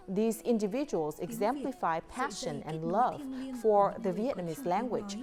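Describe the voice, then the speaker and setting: A woman news anchor reading scripted news in a measured, formal way. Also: lowish voice.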